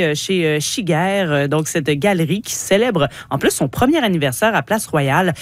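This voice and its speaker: A woman running through cultural event listings on a radio show, brisk with a few fillers. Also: deep voice, dry recording. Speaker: culture columnist.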